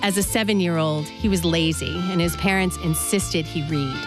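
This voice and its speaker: Low-voiced woman host over guitar. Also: normal speed. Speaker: radio host. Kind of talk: scripted radio narration. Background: loud guitar music.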